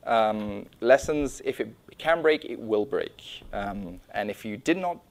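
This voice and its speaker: A man's voice: lowish voice, lively intonation, slow. A middle-aged man presenting his own project in an informal talk, with conversational, self-interrupting phrasing. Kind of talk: informal conference-style talk with slides. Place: indoor meeting room or small lecture room.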